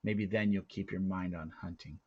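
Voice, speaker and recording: A man reading a storybook aloud, voicing a big, gruff, bullying tribal hunt leader with a harsh, scornful manner. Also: deep voice, steady tone, moderate pace, highs cut off. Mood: sneering. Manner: harsh, shouting commands.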